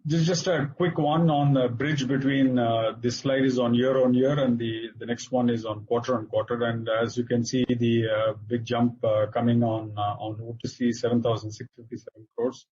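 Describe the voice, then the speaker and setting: A man with an Indian accent presents as a finance executive on an earnings call, halting often with filler sounds. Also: medium pitch, flat delivery, darkish tone, husky. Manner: halting, hesitant delivery with frequent filler sounds. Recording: dull lo-fi conference call audio.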